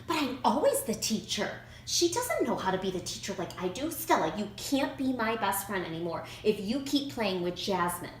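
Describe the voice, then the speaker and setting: A woman's voice: mid-range voice, sing-song, normal speed, few pauses, close to an everyday voice. A woman voicing a jealous, easily hurt young schoolgirl from a storybook, in a whiny, pleading manner. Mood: indignant. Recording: roomy echo, faint background noise.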